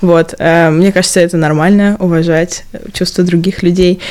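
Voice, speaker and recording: A woman speaks at a medium pitch. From Stavropol, southern Russia. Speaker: software engineer. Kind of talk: interview. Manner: hesitant, many fillers.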